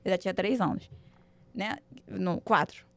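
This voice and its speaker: Woman guest on a chat podcast, animated storyteller, does the voices in her quotes. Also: mid-range voice, unhurried, no echo. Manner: animated, acts out quoted dialogue. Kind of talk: casual storytelling.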